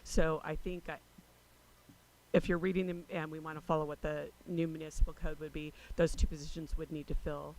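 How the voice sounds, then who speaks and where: An American man explaining rules in a measured official way at a public meeting, as staff advising a council. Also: on the high side, little pitch movement, darkish tone, poor audio. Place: city council chamber.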